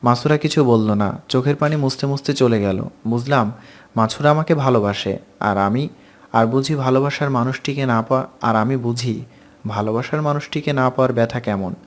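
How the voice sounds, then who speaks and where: A man reads an emotional love story aloud in the first person. His voice sits at an ordinary middle pitch, and his delivery is calm and steady throughout. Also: moderate pace. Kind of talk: scripted story narration.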